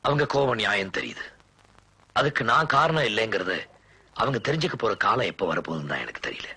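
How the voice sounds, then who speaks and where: A man's voice: on the low side, big pitch swings, a little fast, breathy edge, heavily acted. An actor playing a young man who earnestly pleads to be believed. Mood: somber. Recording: film dialogue with loud music.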